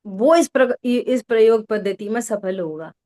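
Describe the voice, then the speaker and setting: Slow-spoken woman teaching scripture. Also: a little high, animated, dark tone. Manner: asks listeners questions, repeats key words. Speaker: spiritual teacher. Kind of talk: slow religious discourse with listener check-ins.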